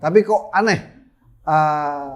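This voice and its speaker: An older man hosting an online talk show, introducing a guest and asking slow questions with many fillers. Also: fairly high pitch. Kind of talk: casual interview chat.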